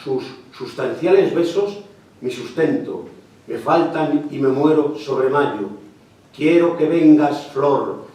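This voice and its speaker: A man's voice: on the high side, animated, slow pace, darkish tone. Man reciting verse in an echoey hall. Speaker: poetry reader. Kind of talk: poetry recitation. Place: lecture hall. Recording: echoey hall, mic far off.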